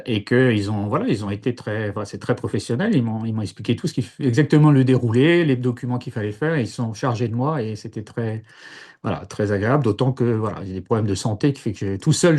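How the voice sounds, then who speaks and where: A man's voice: lowish voice, quick pace, a little mellow. A man in his sixties from Paris, recounting his past in an interview, hesitant with many fillers and restarts. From Paris, France. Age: 60s. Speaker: interviewee, former seminarian. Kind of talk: casual interview testimony.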